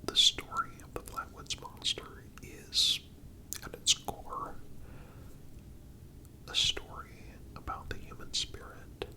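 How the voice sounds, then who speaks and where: A man narrating a scripted story for ASMR in a breathy, unvoiced whisper, deliberate and pausing between phrases. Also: sharp tone, rough recording.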